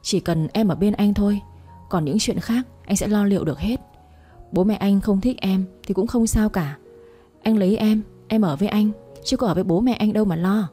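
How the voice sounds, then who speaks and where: A woman's voice: medium pitch, normal speed, dark tone, husky, close to an everyday voice. A woman voicing a devoted young man who earnestly pleads with his girlfriend, over faint background music. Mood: pleading.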